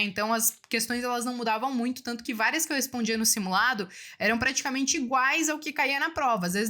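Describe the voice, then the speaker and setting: A woman's voice: fairly high pitch, bright, forceful tone. A woman in her thirties from Brazil, answering viewer questions about investing in a casual, chatty way, often checking in with her listeners. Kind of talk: casual explanatory talk.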